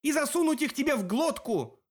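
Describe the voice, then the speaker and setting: A man voicing a fierce, defiant teenage girl who shouts scornfully. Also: high-pitched, wildly swooping pitch, normal speed, pitched above the performer's own voice, heavily acted. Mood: furious.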